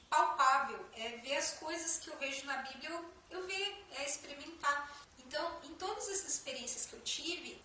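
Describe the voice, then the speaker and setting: A woman's voice: high-pitched, pushed and bright, distant mic, slight background noise. A woman tells her personal religious experiences to the camera, full of fillers and restarts. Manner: emotional storytelling, many fillers and restarts. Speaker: Christian vlogger. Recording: echoey room, voice a bit off-mic.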